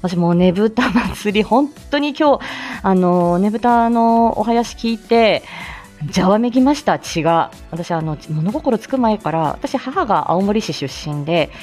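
Woman host, casual live-stream chat, lively pitch, laughs often, faint background music. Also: unhurried. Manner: chatty, laughs often, many fillers.

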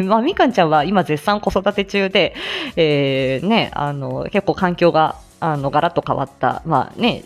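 A woman hosting a casual live stream, chatting and laughing often as she reads viewer comments, with plenty of fillers. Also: sits low. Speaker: live stream host and voice actor.

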